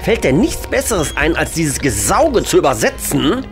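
A man playing an irritable, bossy spaceship captain in a comedy audio drama, gruff, sarcastic and commanding. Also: on the high side, sing-song, normal speed, over music. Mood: irritated.

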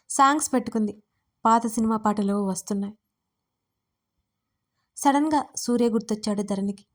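A woman reading her own romance story aloud as writer and narrator, in a steady, even storytelling manner. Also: medium pitch.

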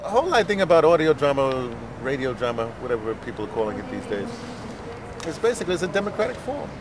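A man's voice: mid-range voice, very animated, fast, a loud crowd. A man giving his view in an interview, emphatic and repeating his points. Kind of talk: opinionated interview talk.

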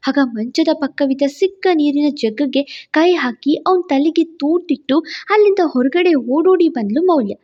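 A woman telling a romance audio story in an expressive, emphatic narrating style. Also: high-pitched, a little slow, few pauses, muffled recording.

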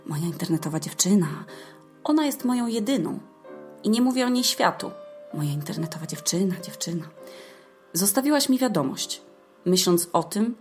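Playful low-voiced young woman. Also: darkish tone. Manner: chatty, playful, colloquial, sometimes mock-dramatic. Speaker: podcast host. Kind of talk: casual humorous monologue to listeners.

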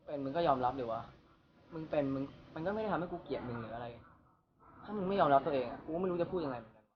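A man's voice: a little high, animated, very fast, lo-fi sound, close to an everyday voice. A young man playing a blunt, confrontational character in a naturalistic drama, pressing someone in coarse, casual speech. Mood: insistent. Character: blunt young man pressing another toward self-acceptance. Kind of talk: naturalistic screen drama acting.

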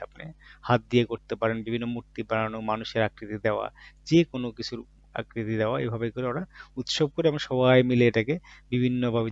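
A man's voice: medium pitch, gravelly. A man teaching Japanese vocabulary. He says each word, then explains it with everyday examples, often asking a question and answering it himself. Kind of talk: vocabulary lesson in Bangla. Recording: dull, muffled recording in a dry room.

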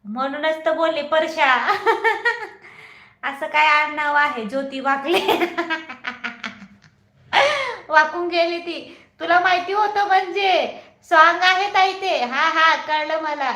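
High-voiced, bright, chatty woman livestreamer. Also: slow pace, echoey room. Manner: chatty, teasing, laughs often. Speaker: livestream host. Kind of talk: casual live chat reading viewer comments.

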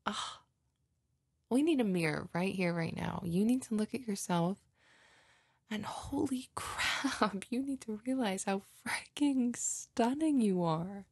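A woman's voice: mid-range voice, darkish tone, dry recording, heavily acted. A woman playing a doting, lovey girlfriend in an intimate, cooing roleplay ASMR, tenderly comforting and gushing over her partner up close. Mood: adoring. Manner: cooing, gushing, breathy, often giggling. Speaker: roleplay audio performer.

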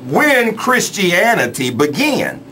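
A man's voice: high-pitched, huge pitch swings, takes it slowly, background noise. A man preaching on a church radio show in a small studio, emphatic with a preacher's cadence. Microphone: studio mic.

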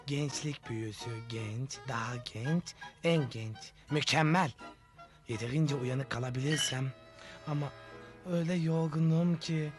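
A man's voice: medium pitch, unhurried, close to an everyday voice. A man voicing a sleepy, lazy young Smurf in a dubbed cartoon, plaintive, sighing and anxious. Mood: weary. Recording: music behind the voice.

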